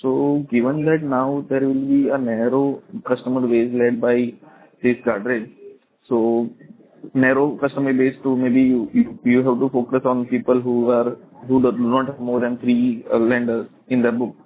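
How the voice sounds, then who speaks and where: A man's voice: medium pitch, little pitch movement, moderate pace. Analyst man on a tinny phone line. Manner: polite, multi-part questions with restarts. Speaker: analyst asking questions. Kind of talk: earnings call questions.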